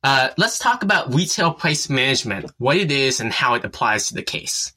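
A man's voice: medium pitch, big pitch swings, normal speed, sharp tone, breathy edge. A man hosting a podcast, speaking formally with dry humor. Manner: formal, dryly joking. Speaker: podcast host. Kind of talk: podcast interview.

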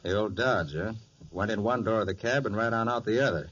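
Low-voiced, brisk radio detective. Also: male voice, a bit bright, breathy edge. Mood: brisk, decisive. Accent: American. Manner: brisk, commanding, clipped. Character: confident, decisive male private detective taking charge. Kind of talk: 1940s radio drama acting. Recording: dull 1940s radio recording, faint noise.

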